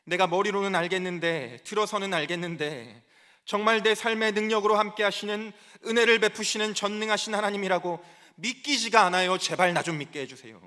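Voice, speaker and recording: A man's voice: high-pitched, lively intonation, moderate pace, bright, forceful tone. A man, a preacher, voicing a desperate father who begs for help in an anguished, pleading way. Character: desperate father begging for faith, grown man.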